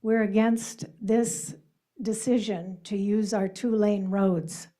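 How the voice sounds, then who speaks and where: A woman's voice: mid-range voice, fairly even intonation, takes it slowly, dark tone. A woman giving emphatic, prepared public testimony at a school board meeting. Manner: earnest, emphatic, reading prepared remarks.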